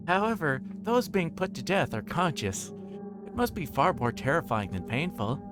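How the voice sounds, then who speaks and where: A man's voice: a little high, sing-song, normal speed. A man livestreaming a visual novel, reading the story aloud dramatically and chatting casually in between. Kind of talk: reading game text aloud with casual stream chat. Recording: game music playing behind the voice. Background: game music.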